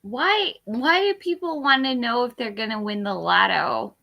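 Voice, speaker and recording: A woman's voice: on the high side, moderate pace, gravelly, pushed and bright. A tipsy woman hosting a casual livestream tarot reading, rambling with fillers and laughing as she talks. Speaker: tarot reader and livestream host.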